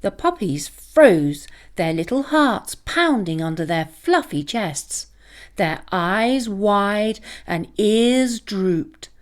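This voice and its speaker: A woman reading a scripted children's story aloud as a dramatic, expressive storyteller. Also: medium pitch, slow pace.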